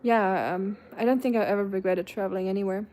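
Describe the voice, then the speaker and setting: A woman from Germany's Black Forest with a German accent, chatting casually with viewers on a livestream, warm and chatty with fillers and soft laughs, her voice trailing quietly at phrase ends. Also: medium pitch, steady tone, quick pace. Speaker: livestream host. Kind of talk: casual chat, reading viewer comments aloud.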